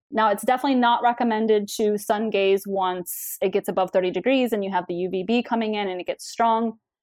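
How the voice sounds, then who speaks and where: The speaker has an unremarkable speaking voice with ordinary pitch variation. The background is quiet. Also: woman. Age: 30s. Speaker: equine bodyworker and health educator. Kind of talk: interview.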